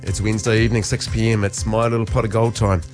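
A man's voice: on the low side, level tone, fast, a little mellow, faint music behind. A man with a New Zealand accent hosting a radio interview, friendly and chatty, laughing often. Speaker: radio show host. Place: radio studio.

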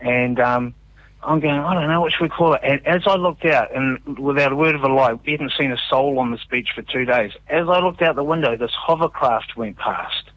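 A man with a New Zealand accent, a musician guest telling stories in a relaxed, animated way in a casual radio interview. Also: mid-range voice, normal speed, no room sound, muffled recording. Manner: animated storyteller, relaxed and chatty.

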